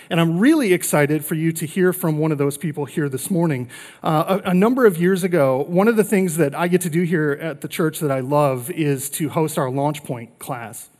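A man's voice: fairly high pitch, darkish tone. A man serving as pastor, making announcements and interviewing a guest on stage in an upbeat, friendly way. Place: large church auditorium, on stage. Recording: reverberant church hall.

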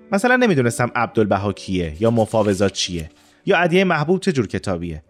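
A male narrator reads a scripted first-person story in a reflective way. His pitch is lively and moves across a wide range as he tells it. Soft music runs quietly behind his voice. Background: faint music.

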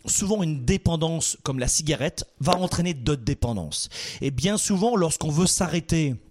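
A man's voice: a little high, lively intonation, moderate pace, a little mellow. A man hosting a motivational call-in show, addressing listeners directly in an emphatic, exhorting style with rhetorical questions.

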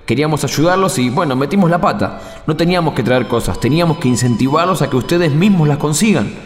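Guy playing earnest young argentine volunteer, kinda high voice, hesitant and sorry, radio play, echoey with music. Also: expressive, fast talker, natural voice. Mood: apologetic, earnest. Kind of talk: radio drama acting. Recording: echoey hall reverb, music behind.

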